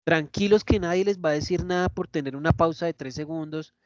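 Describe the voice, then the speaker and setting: Man, online lecturer, animated teaching, fairly high voice, dull lo-fi call audio. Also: brisk, no echo. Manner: lively, demonstrative, asks listeners for agreement.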